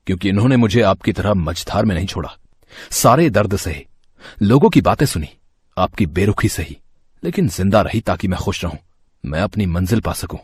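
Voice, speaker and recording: A man's voice: low-pitched, a little mellow, breathy edge, no echo, full character voice. A man voicing a grown son fiercely loyal to his mother, firm and reproachful. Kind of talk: storybook voice acting.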